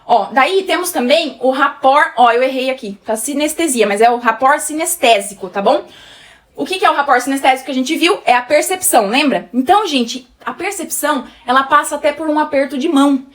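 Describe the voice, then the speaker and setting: A woman's voice: sits high, fairly quick. A woman with a Brazilian Portuguese accent giving a casual sales lesson, chatty and full of fillers, often addressing the viewers directly. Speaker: sales trainer. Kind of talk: casual teaching talk.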